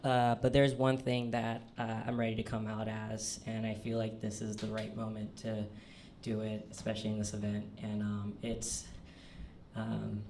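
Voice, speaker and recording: A young trans man telling self-deprecating stand-up stories on a comedy club stage, halting often with ums and uhs. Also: completely flat delivery. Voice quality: fairly low, manly voice. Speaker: stand-up storyteller. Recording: live club recording with audience noise. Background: audience laughter.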